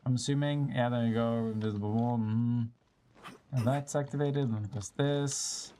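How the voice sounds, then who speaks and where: Very low-pitched woman streaming a game, sweary. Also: steady tone, moderate pace, dark tone, slight background noise. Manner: sweary, playfully exasperated, thinking aloud. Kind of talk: casual gameplay commentary, talking to self.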